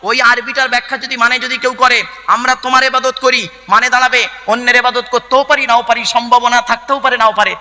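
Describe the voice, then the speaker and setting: High, bright, emphatic male preacher. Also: fairly even intonation, fairly quick, big-room sound. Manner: emphatic, teaching, with many rhetorical questions. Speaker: Islamic preacher. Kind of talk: waz sermon to a crowd.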